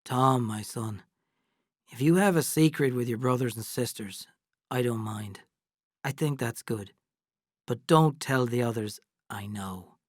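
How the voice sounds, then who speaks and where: A woman voicing a gentle, resigned old man in a novel reading, speaking low and soft, dropping toward a whisper. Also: measured pace, no room sound, studio quality. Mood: tender. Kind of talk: audiobook character reading.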